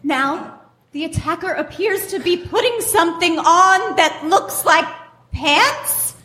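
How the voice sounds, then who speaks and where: A woman playing a melodramatic, naive housewife in a comedic mock radio play, with halting, gasping delivery. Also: very high-pitched, animated, bright, forceful tone, exaggerated voice. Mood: anxious. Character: breathless, scandalized, naive housewife witnessing through a window. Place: small comedy theater stage. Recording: echoey noisy live theater recording.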